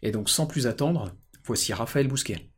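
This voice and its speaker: Man, French accent, podcast host, medium pitch, introductions and interview questions. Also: lively intonation, moderate pace, slightly rough.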